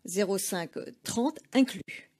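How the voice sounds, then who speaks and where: Une femme interprète de tribunal, qui traduit en simultané avec un débit mesuré et des hésitations fréquentes. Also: female voice, medium pitch, lively intonation, darkish tone, husky. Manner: measured, hesitant with frequent fillers. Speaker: courtroom interpreter.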